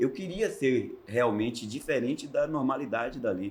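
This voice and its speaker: Speaking fairly slowly with a strong Bahian accent, a man uses lively intonation. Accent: Bahian Brazilian Portuguese, strong. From Bahia, Brazil. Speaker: artist from a community cultural project. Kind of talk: casual chat. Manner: animated.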